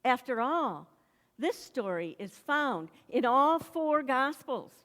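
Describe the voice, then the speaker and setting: A woman pastor delivering a sermon slowly and deliberately, with dramatic pauses between phrases. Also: high voice, very animated, a bit bright. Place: church sanctuary. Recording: echoey church hall.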